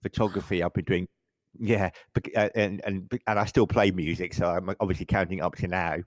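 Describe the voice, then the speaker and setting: A middle-aged English man with a very low voice, chatting casually as an interview guest. He rambles and often restarts his sentences. The sound is close and dry. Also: steady tone, a little fast, dry recording. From England. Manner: rambling, self-correcting, frequent stammered restarts. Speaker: photographer guest.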